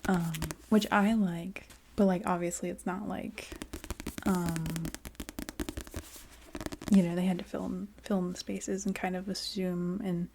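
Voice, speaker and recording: A woman chatting casually in a soft ASMR voice that often drops into a whisper. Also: on the low side, little pitch movement, slow pace, vocal fry, slight background noise. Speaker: ASMR video creator. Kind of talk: soft-spoken ASMR, casual rambling chat.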